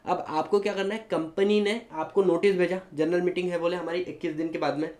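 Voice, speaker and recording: Animated male law teacher, echoey room. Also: high-pitched, brisk. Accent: Indian. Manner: animated, mixes Hindi and English, asks students questions. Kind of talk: classroom lecture.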